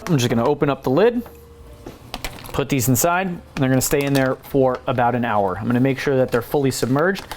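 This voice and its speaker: A man's voice: medium pitch, brisk, background noise. A man hosting a home cooking tutorial, chatting casually and explaining each step as he works in his kitchen. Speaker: home cooking channel host.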